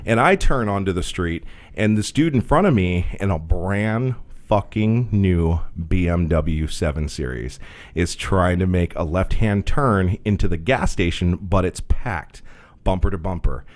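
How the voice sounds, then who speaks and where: A man telling a profane, animated story in casual podcast chat. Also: deep voice, a little slow. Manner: animated, profane, laughs a lot. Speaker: podcast host.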